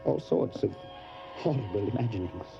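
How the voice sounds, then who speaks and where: An actor playing an anxious English solicitor, a frightened guest, speaking in an earnest, halting, fretful manner in an audio drama. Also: male voice, on the low side, lively intonation, gravelly. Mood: haunted, fearful. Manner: halting, fretful, earnest, breaking phrases with dread. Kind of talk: audio drama acting with diary narration. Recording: dull lo-fi audio with loud music.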